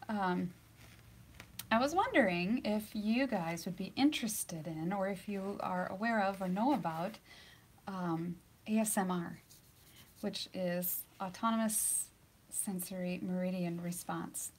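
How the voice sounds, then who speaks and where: Woman, painting instructor, live demo, chatty, laughs often, soft near-whispers while working, faint noise behind. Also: medium pitch, a little slow. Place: painting studio surrounded by lights and cameras.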